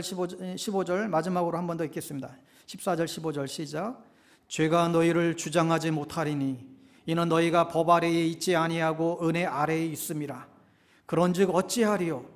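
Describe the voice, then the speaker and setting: A male pastor preaching a sermon, often asking the congregation rhetorical questions. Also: sits high.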